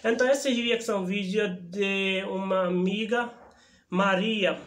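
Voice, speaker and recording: A man in his thirties from India with an Indian accent, hosting a casual reaction video from a room indoors with a lapel mic, speaking halting learner Portuguese in a chatty, excitable way. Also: high voice. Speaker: YouTube reaction host. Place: indoor room in front of a wooden backdrop. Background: music playing from the reacted video.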